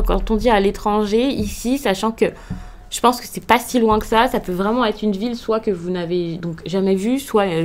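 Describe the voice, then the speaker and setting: A woman from France giving a casual tarot reading to camera, hesitant with frequent fillers and restarts, in a reassuring tone. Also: medium pitch. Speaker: tarot card reader.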